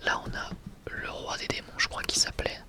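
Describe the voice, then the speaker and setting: Soft whispered ASMR voice. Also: a little fast. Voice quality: soft, breathy unvoiced whisper. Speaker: ASMR video creator. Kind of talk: whispered ASMR manga showcase.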